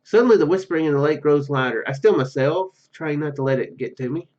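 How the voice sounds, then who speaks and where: A man's voice: a little high, fast talker, a little mellow, dull audio. A man hosting a let's play, reading story narration aloud with stumbles and casual asides. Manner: stumbles over words while reading. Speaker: gaming video host.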